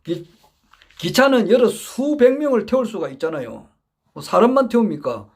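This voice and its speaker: A man's voice: sits high, big pitch swings, moderate pace, breathy edge. A man giving an earnest monologue lecture, emphatic and repetitive, often restarting his phrases as he builds his point. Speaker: political supporter giving a talk.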